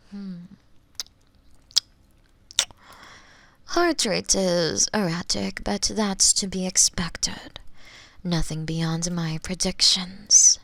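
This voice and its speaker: Woman doing a mad scientist lady asmr, slow n creaky, musing and gleeful, clinical but doting, right up close on a binaural mic. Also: mid-range voice, no echo. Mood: clinical, reassuring. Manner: unhurried, musing, relishing, with soft breathy hums and sighs. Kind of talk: ASMR roleplay, scripted. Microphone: close binaural microphone, dry.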